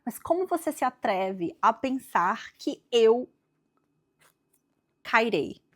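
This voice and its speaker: A woman's voice: fairly high pitch, sing-song, takes it slowly, pitched above the performer's own voice, exaggerated voice. A woman with a Brazilian accent voicing a naive, self-assured young Eve who talks lightly and turns indignant. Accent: Brazilian Portuguese.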